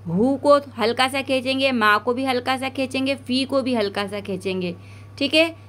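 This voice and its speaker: Speaking with a South Asian Urdu accent, this woman guides a learner through Quran recitation, modeling every word with slow, drawn-out delivery and then rattling off the explanation. Her pitch sits high with a slightly bright quality.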